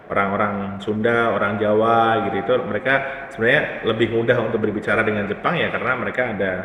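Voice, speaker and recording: A man who is a company CEO, speaking as an interview guest and explaining at length. He talks casually and pauses often, searching for his words. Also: lowish voice, fairly even intonation, fairly bright tone, slight background noise. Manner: thoughtful, many pauses and fillers. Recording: reverberant room, distant mic, faint ambience.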